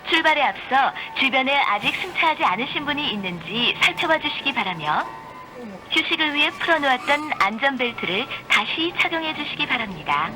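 A woman's voice: high voice, very animated, a little fast, rough recording. A woman reading a scripted passenger announcement for a bus in a formal, courteous manner. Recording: pre-recorded bus announcement with background music. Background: music.

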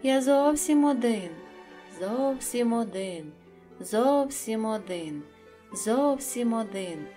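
A woman voicing a mountain echo in an audiobook, repeating words in slow, drawn-out calls. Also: on the high side, lively intonation, dark tone, faint music behind, voice pushed up. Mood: hollow. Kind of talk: audiobook reading.

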